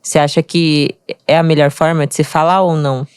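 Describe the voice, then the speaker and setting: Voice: mid-range voice, little pitch movement, a little fast, clean tone, no room sound, clean studio sound. A podcast co-host asking the host questions, with hesitant restarts. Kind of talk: casual chat.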